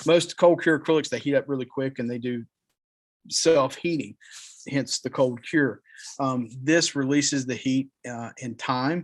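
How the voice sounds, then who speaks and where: An ordinary speaking voice from a man comes at a fairly slow pace, medium in pitch with fairly even intonation. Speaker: dental technician presenter. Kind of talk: webinar presentation. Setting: live webinar. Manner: filler-heavy, many ums.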